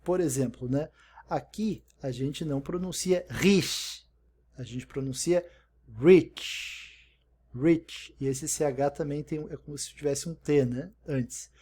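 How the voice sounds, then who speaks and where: A man's voice: fairly high pitch, moderate pace, warm tone, slightly rough. A man teaching an English lesson in Portuguese, explaining step by step and repeating example words, often checking in with "né?". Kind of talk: recorded online language lesson.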